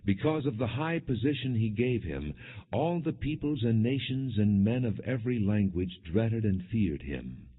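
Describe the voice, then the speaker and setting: A man narrating scripture as an audiobook in a solemn, measured way with deliberate pauses. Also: lowish voice, animated, husky. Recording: muffled phone-like lo-fi audio.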